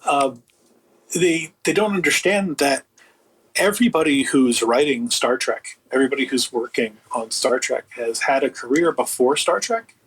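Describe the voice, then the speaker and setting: A man with a slightly husky voice speaking as an interview guest in casual, emphatic, opinionated, rambling talk. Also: medium pitch, moderate pace, a bit bright, rough recording. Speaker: guest, audio producer and writer.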